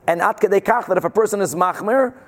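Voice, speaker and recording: A man's voice: sits high, quick pace. A man teaches. He explains emphatically and informally, as in a religious class, sprinkling Hebrew and Yiddish terms through his sentences. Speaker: Talmud teacher.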